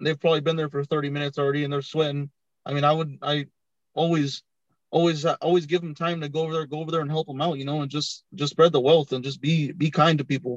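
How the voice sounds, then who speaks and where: Very fast, monotone speech from a man with an American accent at a fairly high pitch, flat in intonation, in a dry, close sound with no echo. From California. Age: 20s. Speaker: construction worker. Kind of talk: casual interview.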